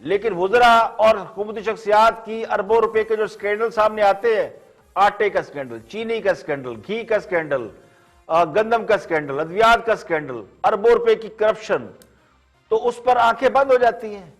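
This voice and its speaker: A man delivers sharp, sardonic TV commentary as the show's host. His voice sits notably high for a man, and he stacks proverbs and lists to drive his point home. Faint music runs underneath. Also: moderate pace. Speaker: talk show host. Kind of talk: opinion commentary on TV.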